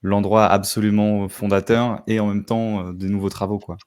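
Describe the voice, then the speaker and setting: A man who is a guest film critic, speaking in a measured, analytical way in a casual discussion. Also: fairly low pitch, flat delivery, a little mellow, smooth.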